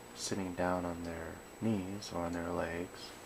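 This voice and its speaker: A soft-spoken man with a very deep, low pitch and a calm tone. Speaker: drawing teacher. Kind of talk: ASMR drawing tutorial. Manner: calm, soft-spoken.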